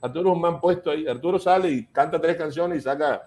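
A man's voice: fairly high pitch, fast, over loud music. A man on a video call talk show, blunt and opinionated. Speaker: panelist. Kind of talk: casual talk show banter.

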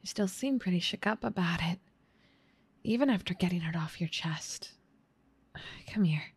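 A woman voicing a gentle, caring big sister in an ASMR roleplay, soft and slightly scratchy, tender and soothing, often whispering. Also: on the low side, animated, moderate pace, slightly rough, dry recording, exaggerated voice. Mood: gentle concern.

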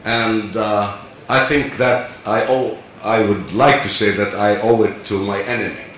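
A man's voice: fairly low pitch, fairly even intonation, a little slow, fairly bright tone. A man in his seventies from Palestine, speaking earnestly and insistently on a conference panel. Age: 70s. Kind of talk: earnest personal speech. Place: large conference hall. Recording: echoey hall, distant mic, faint hiss.

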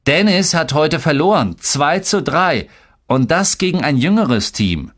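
A man's voice: high-pitched, animated, unhurried, a bit bright, voice pushed up. A man voicing a boastful, mocking little boy under seven in an audiobook story. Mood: gloating. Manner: bragging, mocking.

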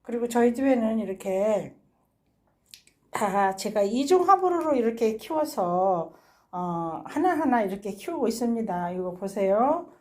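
A woman's voice: mid-range voice, darkish tone. A woman hosting a gardening vlog, chatting fondly about her plants with frequent sighing exclamations as she walks through her balcony garden. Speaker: gardening channel host. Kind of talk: casual walkthrough vlog.

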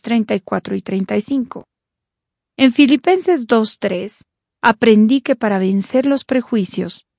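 Mellow-voiced woman from South Africa. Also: fairly high pitch, no room sound, clean studio sound. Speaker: testimony speaker. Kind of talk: read personal testimony.

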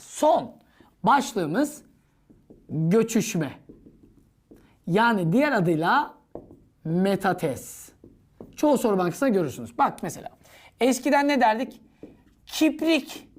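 A woman teaching an exam-prep grammar lesson, asking herself questions and answering them in a playful, chatty way. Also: medium pitch. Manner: playful, chatty classroom banter.

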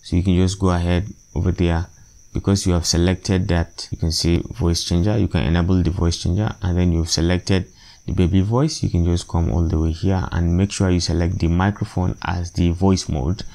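A man presents a software tutorial in a low, dark voice with noticeable fry. He explains step by step in an unscripted way, repeating himself and hesitating as he goes. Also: flat delivery, moderate pace.

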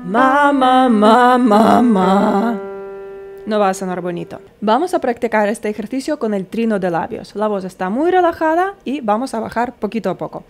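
A woman singing teacher giving a vocal lesson, calmly coaching and demonstrating exercises. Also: mid-range voice, fairly quick, hardly any pauses. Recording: piano playing behind the voice. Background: loud piano.

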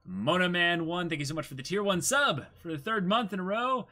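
A man's voice: sits high, lively intonation, fairly quick, bright, forceful tone. A man in his twenties chatting casually as co-host of a livestream. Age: 20s. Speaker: streamer and co-host. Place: small room, indoors.

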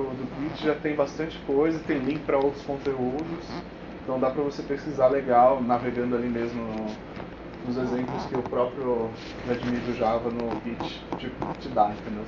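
Male tech presenter, Brazilian accent, colloquial and informal, checks in often; roomy, noisy recording. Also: mid-range voice. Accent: Brazilian Portuguese. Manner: colloquial, frequent check-in tags. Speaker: developer giving a technical talk. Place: indoor meetup room with whiteboard. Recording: echoey room, dull sound, clear noise.

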